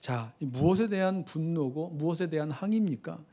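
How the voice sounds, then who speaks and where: A man's voice: a little high, lively intonation, normal speed, dark tone, dull audio. A man who is a pastor, delivering a sermon with earnest rhetorical questions to his congregation.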